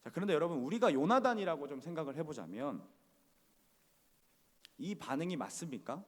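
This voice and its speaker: A man's voice: a little high, sing-song, fairly quick. A male pastor preaching a sermon in a church, speaking conversationally and often putting questions to the congregation. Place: church sanctuary. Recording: church hall reverb.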